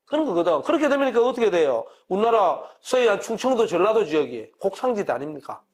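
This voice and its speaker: A middle-aged university professor from Korea's Gyeongsang region lectures in class with a Gyeongsang accent, his voice high, sing-song, and fast. He keeps things conversational, asking the audience questions and answering them himself.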